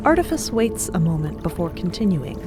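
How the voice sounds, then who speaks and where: A woman's voice: on the low side, very animated, a little fast, music in the background. A woman narrating a scripted fantasy audio drama as a descriptive storyteller.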